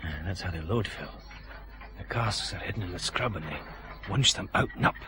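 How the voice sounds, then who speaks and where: An actor playing a commanding male Glasgow detective chief inspector in a radio drama, giving brisk, clipped orders in a Scottish accent. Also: sits low, lightly acted. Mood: hushed.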